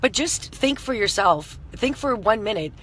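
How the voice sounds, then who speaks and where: A woman in her thirties with a hoarse, scratchy voice, giving a chatty motivational talk on a live stream and greeting viewers by name. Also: mid-range voice, expressive, moderate pace, a bit bright. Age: 30s. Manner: chatty, full of "you know" fillers, greets viewers by name. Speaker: entrepreneur hosting a live stream.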